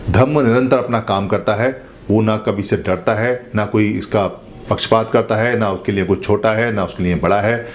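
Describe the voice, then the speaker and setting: A man giving a spoken Buddhist teaching, explaining slowly and repeating phrases for emphasis. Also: fairly low pitch, steady tone, slight background noise. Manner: slow, repetitive, explanatory preaching. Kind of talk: spoken dharma talk.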